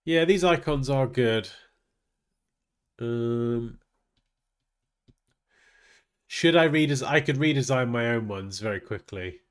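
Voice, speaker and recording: With a blocked nose leaving him nasal and sniffly, a man leads a graphic design livestream, casually thinking out loud as he works. His medium-pitched voice is smooth, and he speaks slowly with long pauses.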